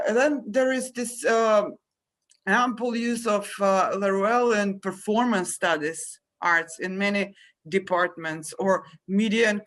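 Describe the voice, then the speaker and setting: A mid-pitched panelist speaks over a video call in an academic discussion. The delivery is loose and conversational, with frequent fillers. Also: fairly bright tone. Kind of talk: academic round-table discussion.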